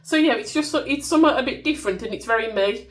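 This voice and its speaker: A woman from England's Black Country chats quickly and expressively in a fairly high voice, nasal and bunged up from a cold. A small-business content creator, she walks through products she's made, self-deprecating, informal, and breaking into song now and then.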